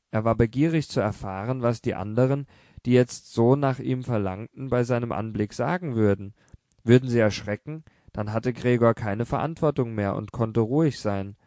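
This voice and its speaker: A male narrator reads a literary audiobook in a measured, even manner. His voice sits in an ordinary middle register. The recording is close and completely dry. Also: medium pitch, dry recording.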